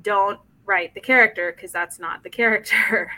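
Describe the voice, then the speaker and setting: A woman's voice: mid-range voice, normal speed, a crowd in the background, rough recording. A woman co-hosting a casual comics podcast, tired and emotionally drained, candid and frank, often trailing off. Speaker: podcast co-host. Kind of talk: casual live-streamed comics podcast chat.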